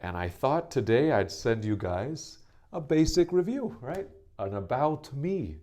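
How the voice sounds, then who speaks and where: A man's voice: medium pitch, very animated, unhurried, dark tone. An American man in his thirties, an English teacher introducing himself to his students in an easygoing way, often checking in with "right?". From USA. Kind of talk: friendly self-introduction lesson to camera.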